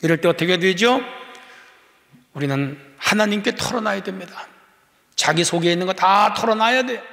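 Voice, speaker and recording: A male pastor preaching an impassioned sermon, swinging between hushed and raised passages. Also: high voice, gravelly. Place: church sanctuary. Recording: long church hall reverb.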